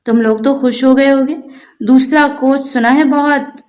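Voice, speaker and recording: A woman voicing a calm, caring young man who coaches a team and acts as an older brother, speaking gently. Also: high voice, natural voice.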